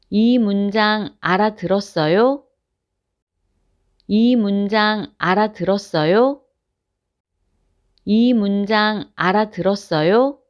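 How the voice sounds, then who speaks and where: A woman reading short example sentences aloud, slowly and evenly, for language learners. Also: mid-range voice, no echo, lo-fi sound. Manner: careful, evenly spaced phrase reading. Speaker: Korean phrase reader.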